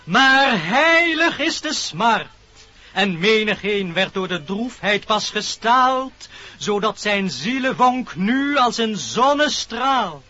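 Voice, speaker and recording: A man's voice: high voice, sing-song, slow pace, pushed and bright, full character voice. A man playing a pompous little animal preacher in a radio play, solemnly declaiming rhymed verse like a sermon. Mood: solemn, lofty. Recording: dull old radio recording.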